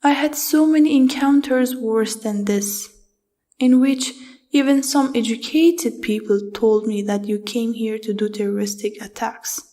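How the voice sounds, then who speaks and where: A young woman from Afghanistan, a student, narrating her own story in a slow, measured and heartfelt way. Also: on the high side, fairly even intonation, warm tone. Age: young adult. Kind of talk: reflective personal narration.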